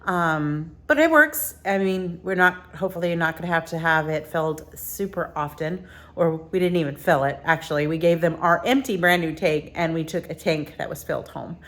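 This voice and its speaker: A woman's voice: low voice, moderate pace, a bit bright. A woman chatting casually in a vlog, rambling with fillers, sometimes stuffy from allergies. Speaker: vlogger. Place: theme park, outdoors and at home.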